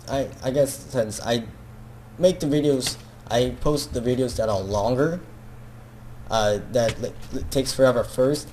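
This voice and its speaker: Self-conscious and rambling, a teen gaming creator with a Filipino accent chats in a casual video, restarting often and leaning on fillers. His mid-range voice has a darkish tone, and the recording carries a little hiss or hum.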